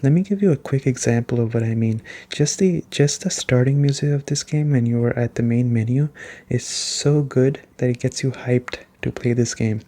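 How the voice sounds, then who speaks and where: A soft-spoken, relaxed man giving an ASMR-style video game review as a casual chat. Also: mid-range voice, moderate pace. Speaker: gaming video host.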